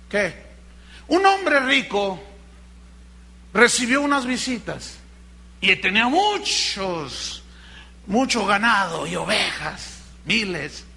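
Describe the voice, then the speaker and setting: A man's voice: very high voice, creaky, pushed and bright. A man, a pastor preaching a sermon with dramatic rhetorical questions.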